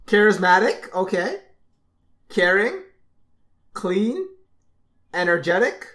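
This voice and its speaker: Bright, teasing young man. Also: sits high, very animated, takes it slowly. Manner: teasing, questioning, reads items aloud. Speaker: podcast co-host. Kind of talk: casual chat.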